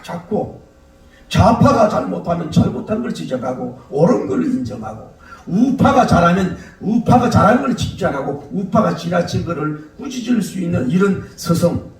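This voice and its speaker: Pastor guy preaching, lively up-and-down voice, echoey far-off church recording. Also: high voice. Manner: animated, shouts mock slogans, storytelling. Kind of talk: sermon. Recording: echoey hall, distant mic, faint noise.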